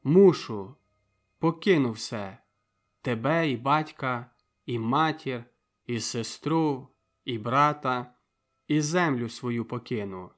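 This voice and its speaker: A male audiobook narrator voicing a grave young village man who speaks in terse, halting phrases. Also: mid-range voice, a bit bright, faint music behind. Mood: grave, tender.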